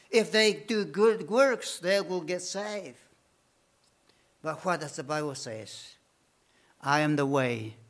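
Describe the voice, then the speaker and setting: Slow, high-voiced preacher. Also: male voice. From Bolivia. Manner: slow, emphatic preaching with repeated phrases. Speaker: missionary preacher. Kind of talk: sermon.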